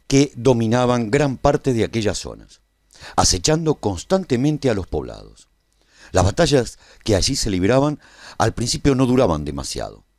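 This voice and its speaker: An actor playing a tender, reflective survivor who narrates a post-apocalyptic radio serial in a measured, solemn way. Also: male voice, fairly low pitch, a little mellow, no room sound, studio quality. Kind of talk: scripted first-person narration for a radio serial.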